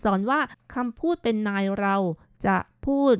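A woman hosting a radio talk show in a studio, reading listener comments aloud with lively emphasis. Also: medium pitch, measured pace, clean tone, no echo. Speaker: radio host.

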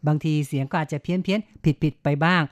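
A man's voice: a little high, a little fast, no echo. A man co-hosting a radio talk show in a studio, explaining things in an easygoing, conversational way. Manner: easygoing, explanatory, chuckles along. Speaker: radio host.

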